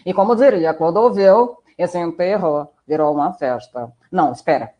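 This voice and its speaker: A woman's voice: lowish voice, moderate pace, lo-fi sound. A woman with a Brazilian accent, narrating a scripted tale in a theatrical, playful way.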